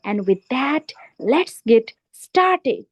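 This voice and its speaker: A woman with a high, animated voice opens a club meeting at an unhurried pace. She speaks in short, emphatic phrases with pauses between them, like a prepared speech. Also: dull audio. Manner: slow, deliberate delivery with rhetorical pauses. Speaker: meeting host.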